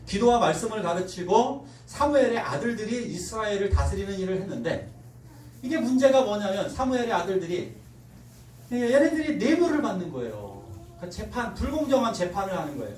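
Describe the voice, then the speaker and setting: Animated Korean pastor preaching in an echoey hall. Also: male voice, high-pitched, a little hiss or hum. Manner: animated storytelling, acts out quoted voices with laughter. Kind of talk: sermon. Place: church sanctuary. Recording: roomy church hall, mic at a distance.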